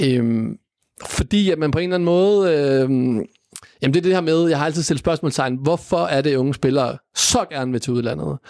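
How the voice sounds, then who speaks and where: A man with an ordinary speaking voice and fairly high pitch talks at a moderate pace with ordinary pitch variation. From Denmark, Funen. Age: 30s. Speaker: former footballer and football pundit. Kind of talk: podcast interview.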